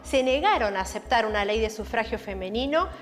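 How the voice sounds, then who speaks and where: A woman's voice: fairly high pitch, animated, fairly quick. A woman explaining history in a documentary interview, building her points with lists and emphasis. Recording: long hall reverb.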